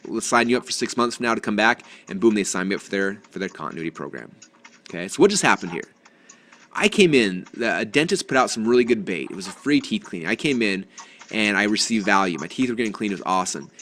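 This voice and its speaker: A man's voice: lowish voice, fairly bright tone. A man presenting a business webinar, eager and chatty, often restarting phrases and acting out little dialogues. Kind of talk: energetic business webinar talk.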